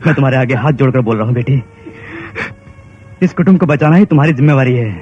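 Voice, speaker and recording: A man's voice: medium pitch, fast talker, a little mellow, husky, natural voice. A man playing a pleading elderly father. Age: older. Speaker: father-in-law in a dubbed film. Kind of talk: dubbed film acting. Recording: dull film dub with background score.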